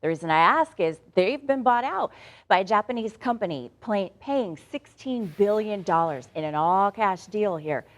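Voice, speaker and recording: Anchoring the morning news, a woman alternates between reading stories and tossing out playful, casual banter straight to her listeners. Her medium-pitched voice is animated and conversational, moving at a normal speed.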